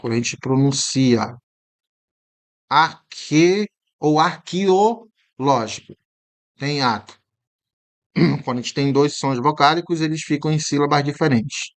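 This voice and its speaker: A male exam-prep teacher talking through a commented test in a chatty way, often asking the viewer "right?" and slowly sounding out words to show how they are said. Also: medium pitch, steady tone. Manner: frequent tag questions to the viewer.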